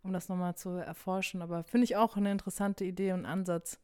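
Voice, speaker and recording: A woman's voice: lowish voice, flat delivery, quick pace, darkish tone, clear, resonant tone, dry recording, clean studio sound. A woman hosting a casual interview, asking prompting questions and adding short responses. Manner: friendly, asks prompting questions, frequent backchannels. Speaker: interview host.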